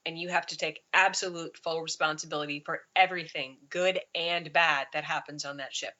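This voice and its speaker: As a guest in a live online video interview, a woman chiropractor emphatically coaches new practitioners, acting out quotes as she goes. She speaks briskly in a low, fairly even, pushed and bright voice, captured in echoey, distant, dull audio.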